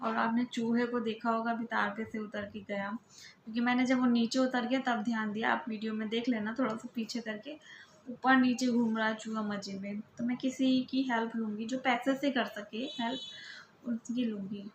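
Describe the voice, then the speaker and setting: A fairly high-voiced woman in her thirties talks through her day as a home vlog voice-over. She chats easily and conversationally, often checking in with the listener with little tag questions. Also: fairly even intonation, moderate pace, highs cut off, slight background noise. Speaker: vlogger and mother.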